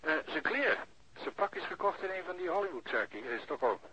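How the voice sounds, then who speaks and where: An actor playing a chatty, eager forensic lab investigator in a radio crime drama, with hesitant interjections. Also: male voice, high voice, big pitch swings, quick pace, crowd noise. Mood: eager, informative. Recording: dull lo-fi radio recording, faint noise.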